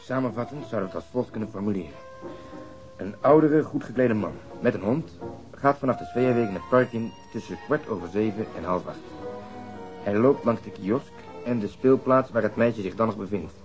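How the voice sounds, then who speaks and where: An actor playing a methodical police detective questioning a witness in a radio drama, formal, matter-of-fact and probing. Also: male voice, lowish voice, a little fast, darkish tone, lo-fi sound, faint music behind, lightly acted. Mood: measured, formal.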